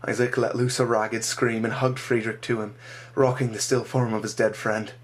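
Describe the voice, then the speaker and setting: Man narrating his own story, measured pace, mid-pitched voice. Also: flat delivery.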